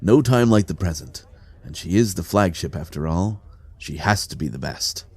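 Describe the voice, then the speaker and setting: A man's voice: low voice, lively intonation, moderate pace, slightly rough, no room sound, full character voice. A man acting a genial but authoritative fleet admiral in a sci-fi audio drama, courteous, probing and commanding. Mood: jovial, insistent.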